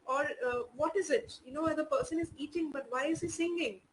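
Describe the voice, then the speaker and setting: High-voiced Indian woman teaching. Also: fairly quick, slight background noise, low-quality recording. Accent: Indian English. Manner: explanatory, many "you know" fillers. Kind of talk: online class lesson.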